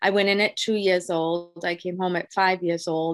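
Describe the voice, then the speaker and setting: A woman's plain, everyday voice at medium pitch and moderate pace, in a very clean recording with a silent background. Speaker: spirit medium. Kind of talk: interview chat.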